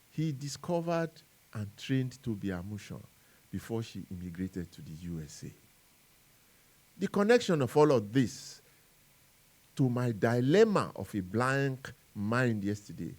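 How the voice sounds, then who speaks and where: A man with a Nigerian accent reads a scripted sports editorial as a radio columnist, phrasing it deliberately and emphatically with dramatic pauses. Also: mid-range voice, darkish tone.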